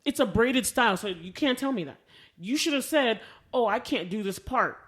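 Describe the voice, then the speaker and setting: Expressive American woman chatting casually. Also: on the high side, moderate pace. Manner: expressive, re-enacts conversations as she tells them. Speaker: podcast co-host. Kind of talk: casual chat and animated personal storytelling.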